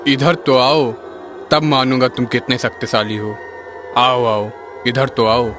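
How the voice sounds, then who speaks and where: A man's voice: mid-range voice, level tone, unhurried, fairly bright tone, close to an everyday voice. A man playing an earnest, determined village boy in cartoon story dialogue. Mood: daring. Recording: music behind the voice.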